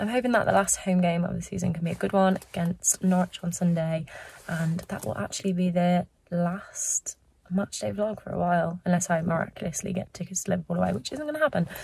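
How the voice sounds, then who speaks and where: At a very fast pace, a woman with a fairly low pitch talks in a somewhat breathy voice, the sound dry with no echo. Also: ordinary pitch variation. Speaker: football fan vlogger. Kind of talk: casual vlog chat. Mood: resigned, lightly amused. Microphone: phone near.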